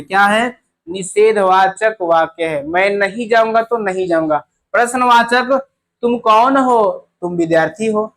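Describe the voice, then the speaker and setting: A young man with a notably high-pitched voice runs an exam-prep grammar lesson. He keeps repeating key points and quizzing his listeners with rhetorical questions, and he drawls out each sound as he demonstrates it. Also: a bit bright. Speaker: teacher.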